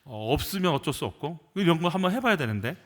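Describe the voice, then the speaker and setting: A male pastor delivers a sermon with a lively, swooping delivery and a fairly high voice. He talks to the congregation conversationally, throwing out rhetorical questions. He builds to emphatic bursts when he voices people's complaints. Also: fast talker. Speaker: senior pastor.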